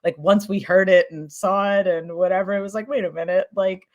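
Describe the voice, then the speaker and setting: A woman with a medium-pitched voice talks casually as a podcast producer on a panel. She tells things in an animated, informal way, looping back and repeating words as she explains. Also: brisk, highs cut off. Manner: animated storytelling with mimicked sound effects and acted-out quotes.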